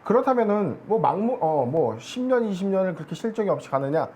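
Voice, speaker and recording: A man speaking as an analyst guest on a stock market show, explaining in a measured way with many filler words. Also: high voice, big pitch swings, darkish tone, slight background noise.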